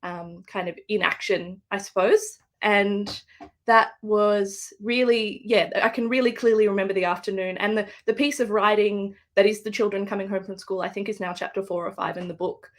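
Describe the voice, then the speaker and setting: A woman's voice: mid-range voice, steady tone, moderate pace. An Australian woman, an author, speaking thoughtfully with fillers and restarts in a live book interview over a video call. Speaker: guest author.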